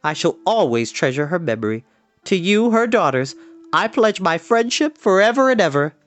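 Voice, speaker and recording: A woman's voice: lowish voice, very animated, normal speed, soft background music, pitched above the performer's own voice. A woman voicing a tender-hearted, anxious male pig in a children's storybook, earnest and emotional. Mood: heartfelt, solemn.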